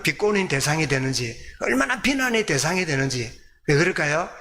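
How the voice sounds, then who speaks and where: A man's voice: high-pitched, bright, forceful tone. A man from South Korea preaches as a pastor, teaching by putting questions to the congregation and answering them himself. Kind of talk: sermon with rhetorical questions to the congregation. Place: church service.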